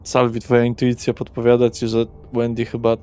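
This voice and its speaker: A man's voice: medium pitch, completely flat delivery, a little fast, warm tone, smooth. A man acting as game master, narrating and questioning players in a tabletop roleplay session.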